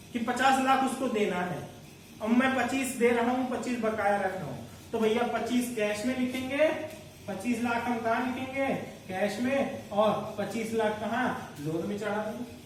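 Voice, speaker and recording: A man teaching an accounting lecture, explaining step by step and calling his students "beta". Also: very high-pitched. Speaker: commerce teacher. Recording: very echoey room, distant mic, faint noise.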